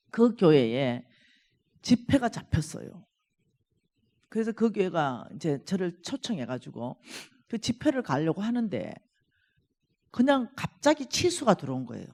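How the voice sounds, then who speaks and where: Woman revival preacher, lively swooping delivery, emphatic scripture reading. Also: mid-range voice. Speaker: revival meeting speaker. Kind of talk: sermon. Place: church.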